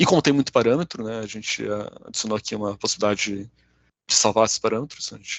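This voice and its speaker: Very fast speech from a man, fairly low in pitch, with ordinary pitch variation. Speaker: software trainer. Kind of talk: tutorial.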